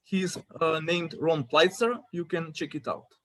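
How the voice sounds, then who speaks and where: A man with a non-native accent speaks in a high pitch. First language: not English. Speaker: startup founder pitching. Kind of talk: pitch Q&A with jury. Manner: halting.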